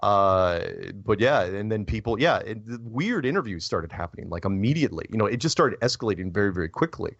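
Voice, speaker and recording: A man's voice: fairly low pitch, fairly quick, hardly any pauses, no echo. A man guest in a casual conversation, telling rambling anecdotes and acting out what people said. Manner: rambling anecdotes with animated quoted voices. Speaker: podcast guest. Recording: dull dry recording.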